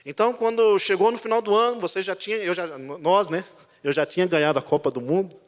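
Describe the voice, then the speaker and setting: Pastor preaching in a reverberant hall. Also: male voice, sits high, fast. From Brazil. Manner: animated, lively storyteller, swinging from loud to quiet. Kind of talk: sermon with personal storytelling. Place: church sanctuary.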